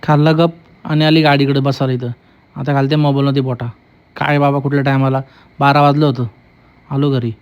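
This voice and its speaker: A man's voice: mid-range voice, flat delivery, fairly quick, long pauses, clean tone. A young man, giving casual, teasing running commentary in a vlog. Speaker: vlogger. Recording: dull lo-fi phone audio.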